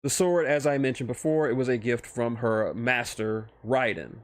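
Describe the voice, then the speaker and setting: On a stream, a man discusses characters of his own invention in a relaxed way; his mid-range voice halts often, and he keeps restarting phrases while explaining.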